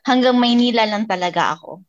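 A woman's voice: a little high, quick pace, dull audio, a crowd in the background. A woman from Saudi Arabia, telling her story casually as an interview guest and switching between English and Tagalog. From born and raised in Saudi Arabia.

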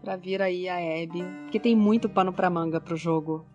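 A woman's voice: lowish voice, moderate pace, darkish tone, highs cut off. A woman chatting casually on a podcast in a friendly, easygoing way, with faint music in the background. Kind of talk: casual chat.

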